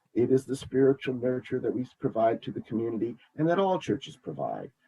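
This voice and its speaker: A man at medium pitch with a normal speaking voice, a moderate pace and ordinary pitch variation. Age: 60s. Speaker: pastor. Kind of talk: video call interview.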